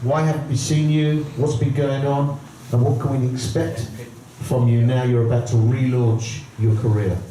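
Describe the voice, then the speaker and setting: A man's voice: medium pitch, level tone, moderate pace, mellow, a little hiss or hum. A man hosting a boxing press conference, chatty and promotional, putting questions to the fighters. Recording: echoey room, distant mic.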